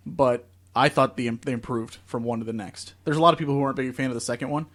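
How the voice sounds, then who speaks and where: A man's voice: mid-range voice, fast talker, a bit bright. A young man co-hosting a podcast, telling long easygoing stories in casual chat. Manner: easygoing, rambling storyteller. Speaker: podcast co-host. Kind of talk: casual chat about video games.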